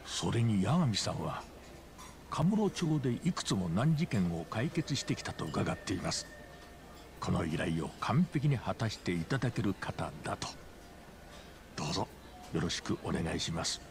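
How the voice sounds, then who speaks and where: A man's voice: deep voice, sing-song, vocal fry, full character voice. An actor playing a very old, courteous and grave school chairman in a video game drama, speaking formally and with measure. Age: older. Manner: formal, polite, measured old man's delivery. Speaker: school board chairman, client. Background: background music.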